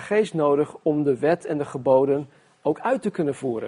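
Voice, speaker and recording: With ordinary pitch variation, this man speaks at a moderate pace. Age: 50s. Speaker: pastor. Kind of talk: sermon.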